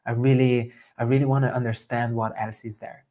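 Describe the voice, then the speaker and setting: Guest, male, 30s, from Slovenia; earnest and steady, with little pitch movement. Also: brisk. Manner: steady, earnest, even-toned. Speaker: guest, somatic coach. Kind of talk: storytelling in an interview.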